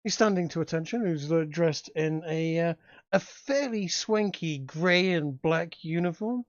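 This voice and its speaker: Halting male game master, dull mic. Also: fairly high pitch, no echo. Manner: halting, many restarts and fillers. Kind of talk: narrating a tabletop game.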